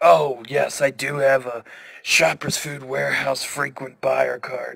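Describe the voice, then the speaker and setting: A man's raspy, growling put-on character voice at medium pitch and a fairly slow pace. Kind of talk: prank phone call role play. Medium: role play.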